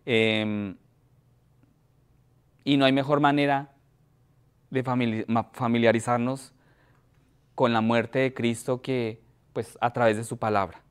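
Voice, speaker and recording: A man preaching a sermon in a church, his voice smooth and resonant at an ordinary middle pitch. He reads scripture aloud in an even, measured way, then talks to the congregation with pauses and restarts. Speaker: pastor.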